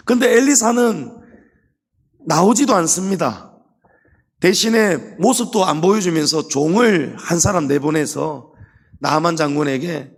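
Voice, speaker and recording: A middle-aged male pastor preaching a sermon with emphasis, rising to loud climaxes and dropping quiet, and acting out the Bible characters he quotes. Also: on the high side, gravelly. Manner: acts out quoted Bible characters in his own voice.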